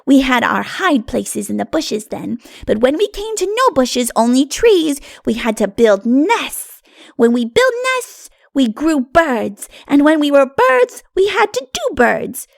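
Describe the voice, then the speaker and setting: Squeaky, excitable little forest child. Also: female voice, vocal fry, dry recording, studio quality, exaggerated voice. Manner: babyish lisping speech, broken grammar, exclaiming. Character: wild, playful little forest child with baby-talk grammar. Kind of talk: audiobook character voice.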